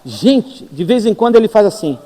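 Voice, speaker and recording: A Brazilian-accented man preaching a sermon as a pastor. He tells funny stories about himself and acts out the dialogue with lively energy. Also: high-pitched, moderate pace, in a large hall, a little hiss or hum. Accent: Brazilian Portuguese. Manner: animated, self-mocking storyteller who acts out dialogue. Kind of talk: sermon with humorous anecdotes. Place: church service.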